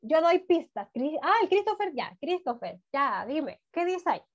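Sitting high and very animated, this Chilean woman's voice leads a first-grade reading lesson on a video call. She draws out her words and keeps up warm praise, often repeating "muy bien", over dull, lo-fi call audio.

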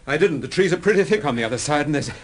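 A husky, lively male voice at medium pitch. a gentleman detective in a radio play, commanding, brisk and protective of his wife. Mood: composed, decisive. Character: decisive, protective gentleman amateur detective husband. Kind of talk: radio drama acting.

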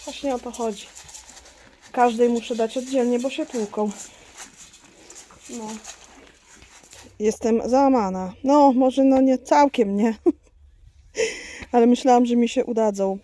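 A woman's voice: fairly high pitch, steady tone, slow pace, long pauses, dark tone, slight background noise. A woman vlogging outdoors on her farm, chatting to her goats and to her viewers. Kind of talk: casual vlog chat.

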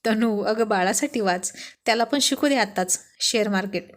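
A woman's voice: medium pitch, normal speed, lightly acted. A woman voicing a bossy, doting young husband in a storybook reading. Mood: coaxing.

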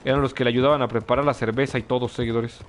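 A man's voice: medium pitch, flat delivery, racing, a little hiss or hum. A young man with a Mexican accent, casually commentating a video game, reading chat messages aloud and laughing often. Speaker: gameplay streamer. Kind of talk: casual live gameplay commentary.

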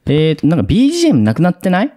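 A young man commentating a horror game, excitable and quick to react with loud, jumpy outbursts. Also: on the high side.

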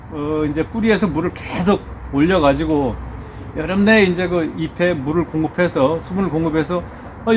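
A middle-aged man hosting his orchid channel, speaking casually to subscribers with a slightly hoarse throat, talking through a face mask, full of fillers and little self-joking laughs. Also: a little high, darkish tone, slight background noise. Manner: chatty, self-joking, many fillers and restarts. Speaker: orchid-growing channel host. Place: indoor studio. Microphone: wearing a face mask.

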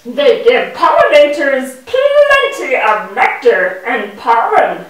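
A gentle talking bee from a children's puppet show, voiced by a woman. The delivery is theatrical and swoops up and down at a very unhurried pace. It is picked up from far off in a very echoey room. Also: high-pitched, sing-song, full character voice. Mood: earnest explaining. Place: indoor room with puppet stage. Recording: echoey room, distant microphone.

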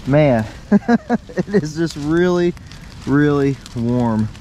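A man in his forties vlogging outdoors in snowy woods at night, chatty and quick to laugh, with his camera mic catching the wind. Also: fairly high pitch, expressive, mellow. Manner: chatty, laughs often, exclaims at the cold. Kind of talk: casual outdoor vlog. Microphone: camera mic, wind noise. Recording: windy outdoor camera audio.

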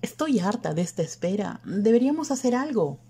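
A woman's voice: sits low, lively intonation, a little slow, warm tone, a little hiss or hum. A woman voicing an impatient, restless older woman in an audiobook, speaking with a raised, urgent delivery.

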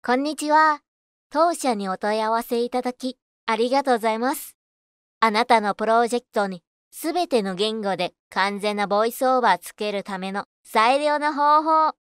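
A woman voice actor reading scripted narration and announcements in a clearly enunciated, rehearsed delivery. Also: a little high, moderate pace, no room sound, clean studio sound.

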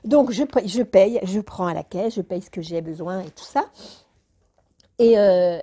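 A woman's voice: mid-range voice, a little slow, warm tone. A woman vlogger chatting casually to her viewers in a rambling way, now and then talking to her cat. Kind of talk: casual chat to camera.

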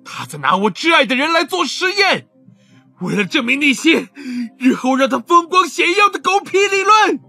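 An actor playing a bitter, lovelorn man in an audio drama, confessing haltingly and emotionally. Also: extremely high pitch, big pitch swings, creaky, bright, forceful tone, faint music behind, heavily acted. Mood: furious.

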